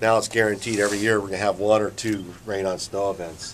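Over light background noise, a man speaks in a fairly low pitch. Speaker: scientist tour guide. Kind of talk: guided tour explanation. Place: tunnel cave. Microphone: camera far.

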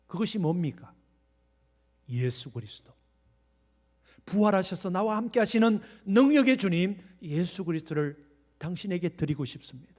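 Delivered at a moderate pace, the speech has lively intonation broken by long, frequent pauses. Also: man, high pitch for a man. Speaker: preacher. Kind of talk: sermon to a congregation, preacher in full flow. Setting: church. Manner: passionate, urgent, rising in intensity, pleading with the congregation; repetitive, rhetorical questions, direct address to 'you all'.

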